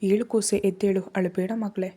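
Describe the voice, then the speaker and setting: A woman's voice: medium pitch, level tone, normal speed, warm tone, husky, natural voice. A woman reading the part of an older woman who soothes and coaxes a weeping girl, full of endearments. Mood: soothing. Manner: soothing, coaxing, repeats endearments. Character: tender older motherly woman, comforting.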